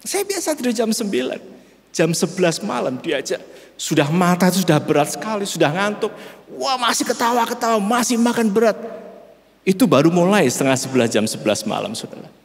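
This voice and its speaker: A middle-aged male pastor with a Central Javanese accent preaches in a slow, measured way and keeps addressing his listeners directly. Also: high voice, sing-song. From Central Java, Indonesia. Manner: slow, measured delivery, often calls listeners "brother". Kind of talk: sermon. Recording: reverberant church hall.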